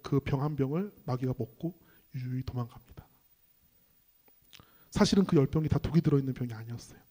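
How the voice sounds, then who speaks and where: A man delivering a sermon-style lecture in a high-pitched voice. He spins a parable and turns to address the audience directly. A long hall reverb trails every phrase. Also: dark tone. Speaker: ministry staff speaker.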